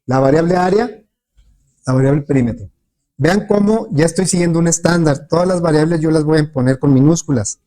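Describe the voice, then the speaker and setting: A man's voice: on the high side, dark tone. A man teaching a class, patiently checking in with students through frequent questions. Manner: patient, with many fillers and restarts. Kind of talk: classroom lecture.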